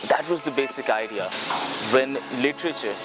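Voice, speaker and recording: Reflective South Asian man over loud music. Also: medium pitch, normal speed. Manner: reflective, searching for words. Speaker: theatre performer and group member. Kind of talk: explanatory interview talk mixing English and Urdu. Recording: loud music under speech.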